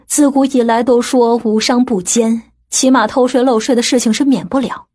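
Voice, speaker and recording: A woman's voice: fairly high pitch, fairly even intonation, moderate pace, warm tone, lightly acted. A woman playing a stern, principled middle-aged aunt in an audiobook, blunt and skeptical. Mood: disapproving. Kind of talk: audiobook character acting.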